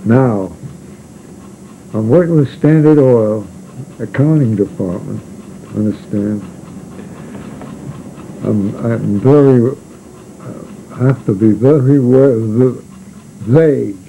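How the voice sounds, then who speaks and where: An older man tells a spoken memoir of his seafaring days in a gravelly, very dark voice. His delivery is slow, halting and rambling, with many restarts and fillers. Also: mid-range voice, a little hiss or hum, low-quality recording.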